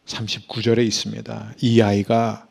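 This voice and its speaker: Gravelly man preaching a dramatic sermon. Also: lowish voice, completely flat delivery, normal speed. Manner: dramatic, swings from hushed whispers to loud emphatic bursts. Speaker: pastor.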